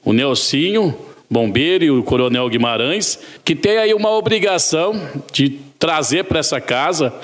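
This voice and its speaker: A man, a city councillor, making a conversational floor speech. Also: on the high side.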